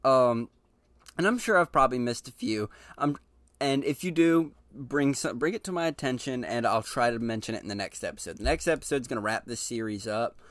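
A man hosting a casual solo podcast, talking to listeners directly in a relaxed, chatty way with frequent ums and restarts. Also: medium pitch, brisk, no echo. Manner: addresses listeners directly and informally. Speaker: podcast host.

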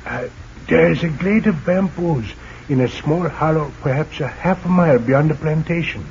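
A man's voice: on the high side, moderate pace, a little mellow, close to an everyday voice. A man playing a formal young resistance leader. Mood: earnest. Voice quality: formal, courteous. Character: polite Dutch underground leader, young man. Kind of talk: 1940s radio acting. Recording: dull old radio recording, faint hiss.

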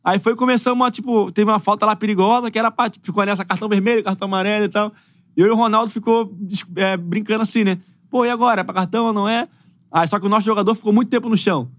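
Man, young adult, from Brazil, footballer guest, slangy storytelling, quick. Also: high-pitched, steady tone, a bit bright, dry recording, studio quality. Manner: laid-back slangy storytelling. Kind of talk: casual storytelling.

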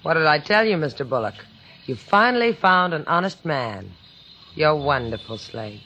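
An actress playing a cool, sly, wisecracking dame in a 1950s radio drama, dryly teasing. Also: female voice, low-pitched, big pitch swings, normal speed, pushed and bright, heavily acted. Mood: sly, amused. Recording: noisy old 1950s radio recording.

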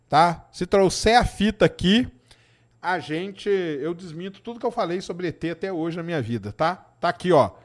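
A middle-aged Brazilian man with a Minas Gerais accent, hosting a science live stream and chatting casually with viewers. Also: sits high. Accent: Minas Gerais Portuguese. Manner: chatty, informal, answers chat questions with tag "tá?". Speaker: science show host.

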